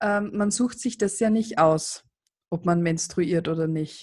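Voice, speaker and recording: At a fairly slow pace, a woman speaks in a somewhat breathy voice with ordinary pitch variation. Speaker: podcast host, sex educator. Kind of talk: interview conversation. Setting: studio, face to face. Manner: animated.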